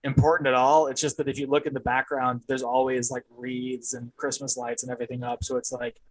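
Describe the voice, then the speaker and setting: A man's voice: mid-range voice, little pitch movement, brisk, slight background noise, poor audio. A man co-hosting a casual movie podcast, talking in a loose, rambling way with frequent fillers and chuckles. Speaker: podcast co-host. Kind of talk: casual chat.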